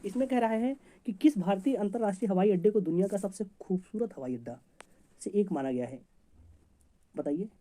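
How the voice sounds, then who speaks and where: Fast-talking male exam teacher. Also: high-pitched, dark tone. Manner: rapid, chatty, jokey teaching with homely examples. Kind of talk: memory-trick lesson for competitive exams.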